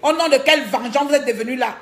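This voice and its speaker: An online commentator from Gabon, with a Cameroonian French accent, launches into an indignant livestreamed rant, often repeating a word while searching for the next. She speaks fast in a high voice, with a roomy echo around her.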